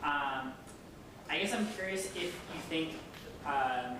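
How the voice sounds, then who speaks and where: Echoey, distant, hesitant man asking a question. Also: on the high side. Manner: hesitant, halting, searching for words. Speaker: audience member asking a question. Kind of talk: spontaneous academic question. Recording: echoey room, distant mic, clear noise.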